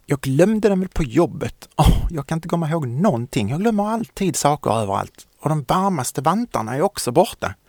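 A man's voice: a little high, big pitch swings, few pauses, a little mellow, no room sound, studio quality, voice pushed up. A man voicing a forgetful father who mutters and grumbles to himself. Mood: fretful.

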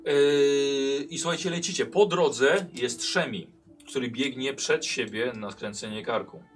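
A mid-pitched man runs a tabletop session as game master. His narration is lively and breaks into urgent shouts at tense moments. Faint music plays underneath. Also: unhurried.

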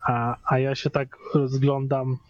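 A man's voice: mid-range voice, flat delivery, slow, no room sound, lo-fi sound. A man playing a tabletop role-playing game, describing his character's actions hesitantly and with many filler words. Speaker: player. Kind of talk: casual in-character play.

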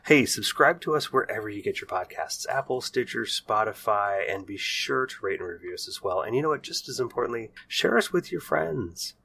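A man's voice: mid-range voice, animated, a little fast, vocal fry, hardly any pauses, pushed and bright, breathy edge. A man co-hosting a casual podcast chat, cracking puns and jokes between rambling restarts. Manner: punning, joking, rambling with restarts. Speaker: podcast co-host.

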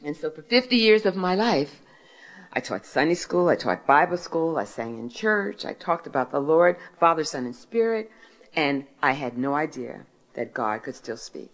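Deep-voiced woman in her sixties testifying. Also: sing-song, moderate pace, low-quality recording. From Philadelphia, United States. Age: 60s. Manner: storytelling, asks and answers her own questions. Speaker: author and speaker. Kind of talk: faith testimony talk to an audience.

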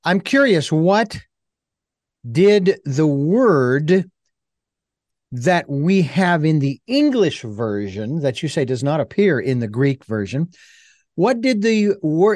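Higher-voiced male host, dry close sound. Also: sing-song, slow pace, a little mellow, no room sound. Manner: curious, stammering restarts. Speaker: radio show host. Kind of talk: interview hosting.

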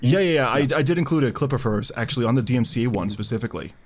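A man's voice: mid-range voice, expressive, rapid-fire. A man hosting a casual podcast, chatty and talkative, with filler words and restarts. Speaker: podcast host.

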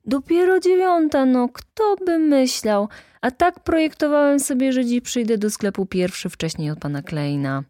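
A woman's voice: mid-range voice, lively intonation, moderate pace, darkish tone, no room sound, studio quality, pitched above the performer's own voice, natural voice. A woman voicing a foppish young male shop clerk in an audiobook, glib and theatrical, with effusive, exaggerated politeness. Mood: dramatic, gushing.

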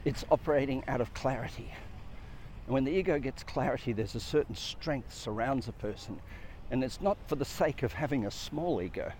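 A man's voice: medium pitch, brisk, a little mellow, slight background noise. A man giving an earnest, reflective talk on personal growth, stacking up lists of questions and repeating phrases.

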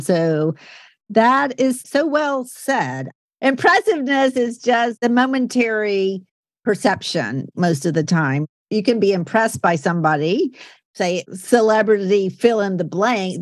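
A woman's voice: fairly low pitch, no room sound, studio quality. A woman hosting a podcast, chatting with her guest in an enthusiastic, affirming way. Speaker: podcast host. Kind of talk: casual interview chat.

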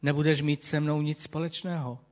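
A preacher reading the part of Jesus, solemn and measured. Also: male voice, on the high side, little pitch movement, close to an everyday voice. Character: Jesus, a calm grown man teaching his disciples.

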